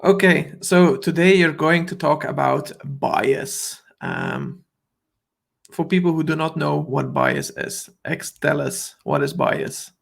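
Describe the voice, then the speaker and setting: A man's voice: on the high side, sing-song, slow pace, vocal fry, fairly bright tone. A man hosting a live online show, greeting viewers and asking his guest short questions. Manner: friendly, asks short questions. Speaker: host. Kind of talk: livestream hosting.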